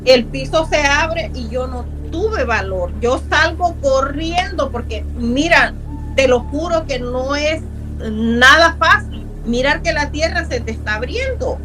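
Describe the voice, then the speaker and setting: A middle-aged woman from Honduras speaks with a slightly raised pitch. She tells her story earnestly and emphatically, often repeating words to stress a point. Soft music plays faintly behind her. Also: expressive, measured pace, rough recording. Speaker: guest telling a true haunting story. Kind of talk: personal storytelling in a conversation.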